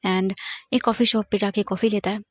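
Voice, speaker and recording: A woman's voice: medium pitch, little pitch movement, a little fast, no echo. Woman storyteller, casual retelling, dry and close. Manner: plain narration mixing English words. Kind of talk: casual retelling of fan fiction.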